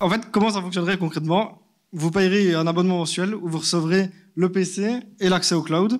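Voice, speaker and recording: A man speaks with a Liège accent at a high pitch, his intonation fairly even but his loudness swinging widely. The recording is very clean with a silent background. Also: moderate pace. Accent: Liège Belgian French. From Belgium, Liège. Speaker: student entrepreneur. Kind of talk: pitch presentation; Q&A answers. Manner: hesitant, many fillers.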